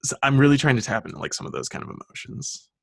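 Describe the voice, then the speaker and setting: A man's voice: medium pitch, animated, fast, gravelly, dry recording. A young man co-hosting a podcast, chatting casually in a rambling way with lots of fillers. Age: young adult. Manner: rambling with many fillers and laughs. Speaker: podcast co-host.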